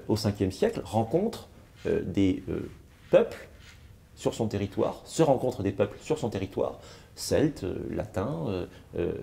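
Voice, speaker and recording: A man of Algerian descent, speaking in a panel discussion in a measured way, with frequent hesitations and repeated words. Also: fairly low pitch, creaky, mellow. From France, of Algerian descent. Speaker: panel guest.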